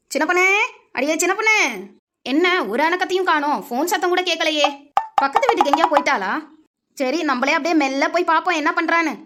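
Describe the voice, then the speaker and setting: Woman doing shrill nagging old mother-in-law. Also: fairly bright tone. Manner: scolding, shrill calling out. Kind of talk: cartoon voice acting.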